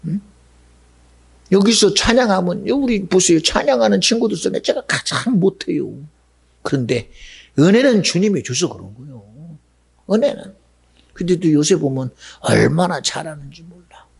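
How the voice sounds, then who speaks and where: Man, pastor, sermon, gravelly husky voice, swinging pitch. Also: normal speed, pauses often. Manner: animated, conversational preaching with rhetorical questions. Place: church sanctuary.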